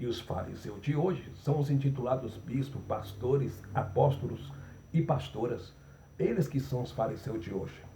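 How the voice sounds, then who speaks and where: A man at medium pitch and a moderate pace, dark and mellow in tone, with vocal fry, ordinary pitch variation and audible room echo. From Brazil, Northeast. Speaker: preacher. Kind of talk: sermon.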